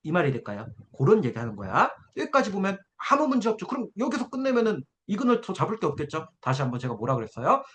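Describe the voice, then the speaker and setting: A man runs an exam-prep essay-writing class, guiding students through a graph and constantly checking in to make sure they follow, with a coaxing manner. His high voice swoops wildly in pitch, and he talks fast with few pauses in a slightly bright tone. There's a little hiss or hum on the recording.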